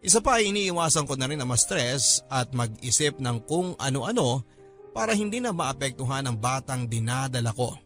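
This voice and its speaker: Casting: male drama narrator reading a confessional letter, measured delivery, mid pitch, light music bed. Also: lively intonation, a bit bright. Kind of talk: scripted first-person story narration.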